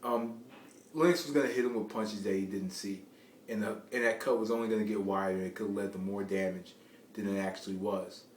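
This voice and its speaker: Male amateur boxing commentator, rambling and repetitive, fairly low voice, recorded off-mic with faint noise. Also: fairly even intonation. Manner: rambling, halting, repeats phrases to restart. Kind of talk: informal unscripted sports commentary. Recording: roomy, distant mic, faint background noise.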